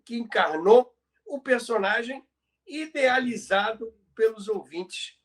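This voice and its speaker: A Brazilian man co-hosting a podcast, telling stories about radio history in a halting way that repeats words. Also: extremely high pitch, expressive, a crowd in the background. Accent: Brazilian Portuguese. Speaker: podcast co-host.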